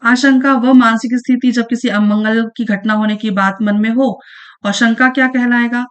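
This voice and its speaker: A woman's voice: fairly high pitch, fairly even intonation, moderate pace. A woman teaching an online exam-prep lesson, patiently repeating each definition and checking in with the listener as she goes. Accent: Chhattisgarhi Hindi. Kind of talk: online lesson going through past exam questions.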